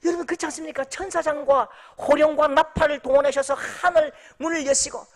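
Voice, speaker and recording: Brief: male pastor, theatrical sermon, loud to hushed. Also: extremely high pitch, fairly even intonation, a little fast. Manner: dramatic, swings from shouting to hushed, acts out scenes.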